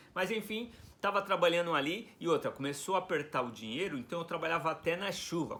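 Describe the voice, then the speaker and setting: A man with an animated, bright, sharp tone at a fairly quick pace. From Brazil. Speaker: YouTuber. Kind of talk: casual vlog monologue.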